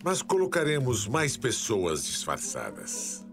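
A man's voice: mid-range voice, wildly swooping pitch, takes it slowly, gravelly, music in the background, heavily acted. An actor playing a cautious, commanding male police chief in an audio drama, authoritative and wary. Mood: worried, cautious.

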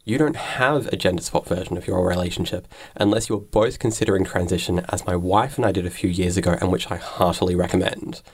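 Low-voiced casual male interviewer. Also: steady tone, a little fast, hardly any pauses, a little mellow.

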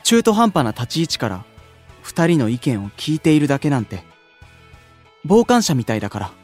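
A man's voice: on the high side, sing-song, moderate pace, soft background music. A man voicing a kind, earnest young male idol who takes on the role of unit leader, in a voice drama. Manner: earnest, gentle, sincere. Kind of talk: anime-style voice drama acting.

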